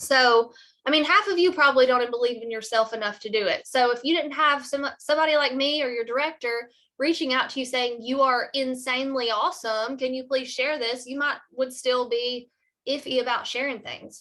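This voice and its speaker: The speaker has a Southern US accent and a raised, projected voice with a bright, sharp tone. The pace is fairly quick, with ordinary pitch variation. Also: woman, high pitch for a woman. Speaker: direct sales team leader. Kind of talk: leadership training call. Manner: animated.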